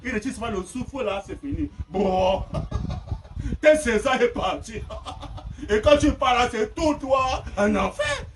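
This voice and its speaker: A man preaching a fiery sermon, shouting and laughing between phrases. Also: very high voice, sing-song, a little slow. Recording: distant mic with faint noise.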